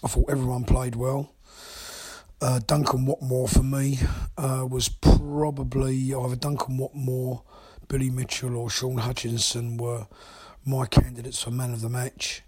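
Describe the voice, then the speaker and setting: A man enthusiastically leaving a voice message as a caller to a fan show, pausing with frequent ums. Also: medium pitch, completely flat delivery, a little mellow, breathy edge. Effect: recorded voice message. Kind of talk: casual fan phone-in.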